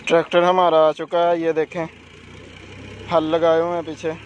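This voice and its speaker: A young man calmly explaining farm work to viewers in a casual vlog, recorded outdoors in an open field on a handheld phone. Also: fairly high pitch, moderate pace, dull audio, slight background noise. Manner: calm, explanatory, pointing things out to the viewer. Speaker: vlogger.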